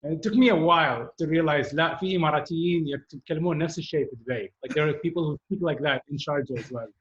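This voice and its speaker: Man from the emirates, guest on a video call, chatty with fillers, mid-pitched voice, dull remote call audio. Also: very fast. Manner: chatty, laughing, many fillers, switches into Arabic. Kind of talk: casual storytelling on a video call. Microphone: remote video-call connection.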